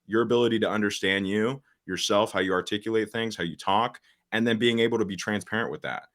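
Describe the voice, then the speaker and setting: A young man with a very low, deep voice talks as a guest in a casual podcast interview. He is a social media coach and gets straight to the point, with plenty of fillers and restarts along the way. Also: fast talker, a bit bright. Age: late teens.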